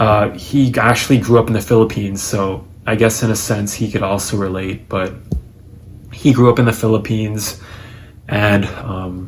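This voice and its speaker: A man with a slight Filipino accent talks at a moderate pace in a fairly low pitch with fairly even intonation, over noticeable background noise and audible room echo. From Taiwan. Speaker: YouTuber. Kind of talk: personal monologue vlog. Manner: hesitant, many fillers.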